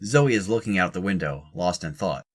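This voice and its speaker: A very low-pitched narrator for an audio drama. The delivery is scripted narration, describing the characters' actions as they happen. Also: lively intonation, a little fast.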